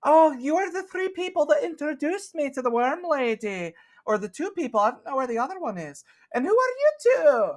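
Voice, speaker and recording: A woman voicing a chatty female cookie shop owner with a Scottish accent and a high, sing-song manner. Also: very animated, brisk. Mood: chirpy.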